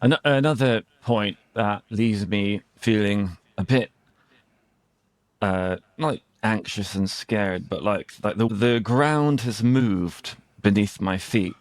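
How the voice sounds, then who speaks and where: A British man, an English teacher, talking casually about current affairs in a searching, halting way with rhetorical questions. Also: fairly low pitch, dry recording. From Britain. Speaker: English teacher and conversation host.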